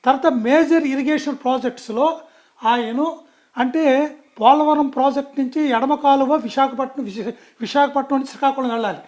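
A man's voice: very high voice, fairly even intonation, normal speed, darkish tone. A man speaking as a guest in a political interview, talking emphatically and often restarting and correcting himself mid-sentence.

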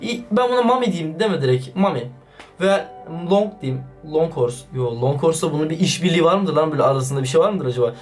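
A man doing excited, casual vlog commentary, slangy and talking straight to his viewers. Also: a little high, quick pace. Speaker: YouTuber reacting to a chat. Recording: distant mic with background music.

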